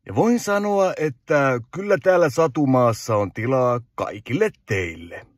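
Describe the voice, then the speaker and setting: A man narrating a fairy tale for children as a storyteller, soothing and unhurried. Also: medium pitch, expressive, no room sound, clean studio sound.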